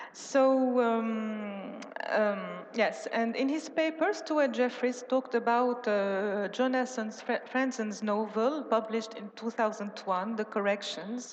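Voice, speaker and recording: A woman speaks at a very slow pace in a French accent. Her pitch is fairly high, with ordinary pitch variation. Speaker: conference speaker. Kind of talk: academic talk. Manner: halting. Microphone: echo.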